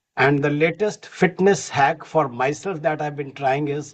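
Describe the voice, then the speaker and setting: With lively intonation and a fairly slow pace, a man has an unremarkable speaking voice that sits fairly high in pitch. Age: 60s. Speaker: doctor cyclist. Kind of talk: panel discussion.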